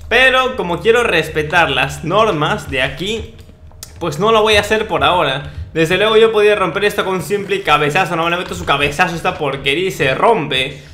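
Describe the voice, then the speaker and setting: A young man with a high, bright voice commentates casually over a video game. He talks in playful slang and boasts in jest. The sound is roomy and echoey. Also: fairly quick. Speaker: gaming video host. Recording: roomy echo, faint noise, clicks.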